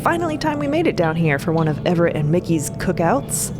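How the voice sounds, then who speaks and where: A woman performing animated scripted storytelling as a narrator in an audio drama. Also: fairly low pitch, brisk. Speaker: podcast narrator. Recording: music under the voice. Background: background music.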